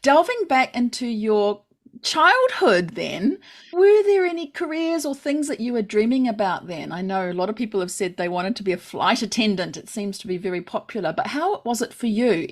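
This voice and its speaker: A woman's voice: fairly high pitch, big pitch swings, normal speed. A woman hosting a podcast interview, chatting casually and encouraging her guest with enthusiasm. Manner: enthusiastic, encouraging, laughs often. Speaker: podcast host.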